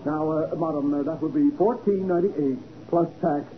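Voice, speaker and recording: An actor playing a meek, flustered perfume clerk who stammers and apologizes, in 1940s radio acting. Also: male voice, a little high, normal speed, natural voice. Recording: tinny old radio broadcast recording.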